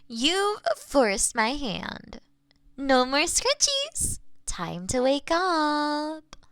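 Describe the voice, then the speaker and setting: A doting female pet owner acted by a woman coos in a high, very swoopy voice. She coaxes and teases playfully, as in baby talk to a cat. It is an intimate, close-miked ASMR roleplay, spoken at a very leisurely pace. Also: very animated, drawn-out words, fairly bright tone, no room sound, heavily acted. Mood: mock exasperated. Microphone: binaural microphone, close.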